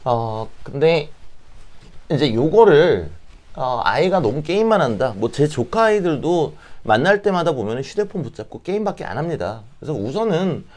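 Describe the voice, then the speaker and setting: A man with a slightly hoarse, catching throat, explaining things politely and informally as an advisor speaking to parents. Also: fairly high pitch, very animated, moderate pace, darkish tone. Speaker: fortune-telling advisor, channel host. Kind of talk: informal explanatory talk to camera.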